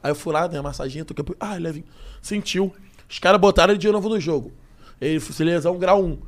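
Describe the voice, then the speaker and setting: A young man with a Rio de Janeiro accent, chatting casually and joking in slang with loud outbursts. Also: fairly high pitch, fast. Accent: Rio de Janeiro Portuguese. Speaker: podcast guest. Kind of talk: casual chat.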